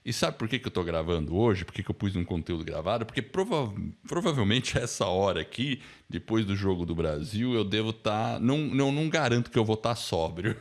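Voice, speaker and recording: Low-voiced Brazilian man hosting online. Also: lively intonation, a little fast, few pauses. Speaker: podcast course host and mentor. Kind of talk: casual spoken introduction to an online lesson.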